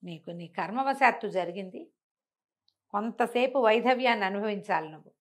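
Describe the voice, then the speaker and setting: A woman telling a folk tale in a conversational, expressive storyteller's way, repeating phrases for emphasis. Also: medium pitch, normal speed.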